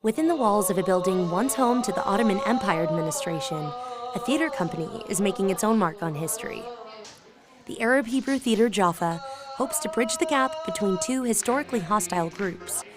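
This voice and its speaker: A woman's voice: medium pitch, lively intonation, brisk. Woman reading a news feature voice-over. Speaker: reporter. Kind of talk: scripted news package narration. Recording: voice-over with music bed. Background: music.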